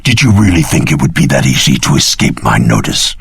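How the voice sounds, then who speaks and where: An actor playing a vengeful, imperious sorcerer ruler in a fantasy video game, declaiming in a grandiose, theatrical manner. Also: male voice, rumbling low, sing-song, brisk, creaky, husky, no echo, clean studio sound, exaggerated voice. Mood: smug menace.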